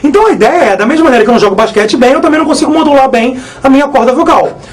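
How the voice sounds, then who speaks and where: A man teaching a live exam-prep physics lesson, energetic, joking and repeating himself. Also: very high-pitched, rapid-fire, poor audio.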